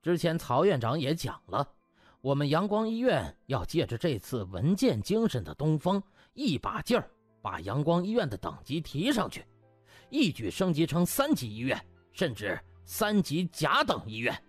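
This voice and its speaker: A self-important male hospital vice director, acted by a male narrator in a comic audiobook. He lectures pompously and officiously, with expressive pitch, over faint music. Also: normal speed, slightly rough, no echo, heavily acted. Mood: pompous, rallying. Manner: officious speechmaking.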